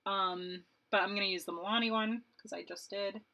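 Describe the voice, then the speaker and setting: A woman's voice: mid-range voice, fairly even intonation, fairly quick, sharp tone, poor audio. A woman in her late twenties, a beauty vlogger chatting casually and rambling while she does her makeup, laughing often. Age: 20s.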